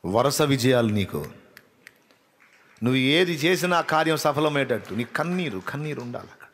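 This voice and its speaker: A man preaching a sermon with passion, swinging from loud, urgent appeals to soft, tearful prayer. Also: mid-range voice, expressive, normal speed.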